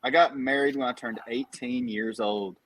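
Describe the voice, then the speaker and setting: A man's voice: mid-range voice, steady tone, moderate pace, a bit bright, slight background noise, poor audio. Guy, 30s, laid back storyteller on a podcast. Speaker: podcast guest. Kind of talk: casual chat.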